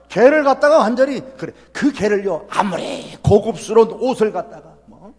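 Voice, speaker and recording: A man's voice: high-pitched, a little mellow, breathy edge. A middle-aged man preaching a revival sermon in a church, folksy and emphatic, firing rhetorical questions at the congregation. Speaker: pastor. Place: church sanctuary. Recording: long hall reverb.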